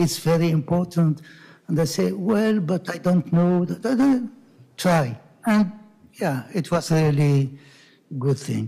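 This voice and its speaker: The speaker has a French accent and a dark, mellow tone with lively intonation. The pace is fairly slow, with long, frequent pauses against a quiet background. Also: man, high pitch for a man. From Algeria. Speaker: poet. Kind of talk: poetry reading. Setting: stage with audience. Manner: halting. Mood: relaxed, amused. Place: hall. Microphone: podium.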